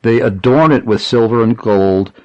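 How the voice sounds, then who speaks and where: A man's voice: medium pitch, moderate pace, dry recording, dull audio. A man hosting a Christian talk radio show, making earnest appeals and repeating details.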